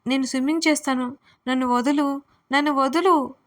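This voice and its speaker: Woman playing a goofy childish young girl in an audio story, loud and squealy, high voice. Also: fairly even intonation, fairly quick, lightly acted. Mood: loud playful. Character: playful, silly, childish young woman heroine.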